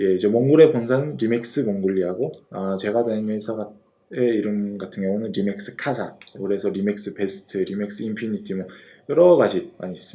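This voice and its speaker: The voice is dark and mellow, moving at a fairly quick pace with ordinary pitch variation. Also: man, fairly low pitch for a man. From Mongolia, partly raised in Seoul. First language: Mongolian (speaking Korean). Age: 20s. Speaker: real estate agent. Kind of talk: interview.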